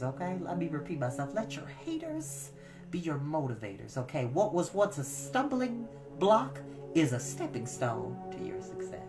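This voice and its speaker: A woman reading a story aloud with expressive, emphatic, dramatic delivery, as a storytime host. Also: deep voice. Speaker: storytime reader. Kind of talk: expressive story narration with encouraging asides. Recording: slightly distant mic, music behind.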